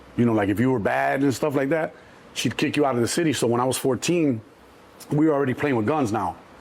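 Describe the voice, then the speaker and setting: The voice moves at a very fast pace with very even loudness and ordinary pitch variation. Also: man, medium pitch for a man. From Chicago. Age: 60s. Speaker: former prisoner. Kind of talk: interview storytelling. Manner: halting with many repetitions.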